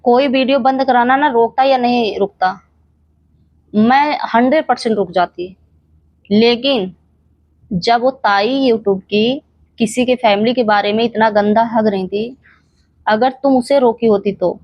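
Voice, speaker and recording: A woman's voice: on the high side, measured pace, pauses often, no echo, lo-fi sound. A young woman vlogging, scolding an absent rival straight to camera with rhetorical questions and repeated challenges. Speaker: reaction channel creator. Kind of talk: heated reaction monologue to camera.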